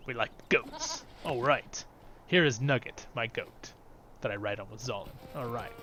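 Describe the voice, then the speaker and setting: A man's voice: medium pitch, creaky, background noise. A man hosting his channel, giving casual, chatty commentary while playing a fantasy game. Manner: upbeat, chatty, drifts into softer asides. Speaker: YouTube channel host.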